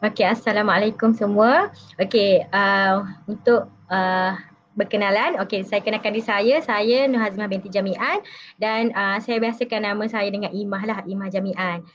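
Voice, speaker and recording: A woman's voice: medium pitch, steady tone, moderate pace. A thirty-year-old woman from Kelantan with a Malaysian Malay accent, introducing herself as an interview guest and laughing between hesitant phrases. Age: about 30. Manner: giggly, hesitant. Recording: dull lo-fi sound.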